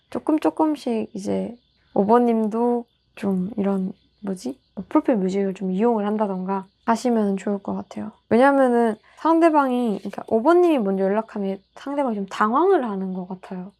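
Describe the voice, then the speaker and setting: A woman casually reading tarot cards for her viewers, chatty and reassuring, sometimes acting out small quoted lines. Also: medium pitch. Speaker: tarot reader.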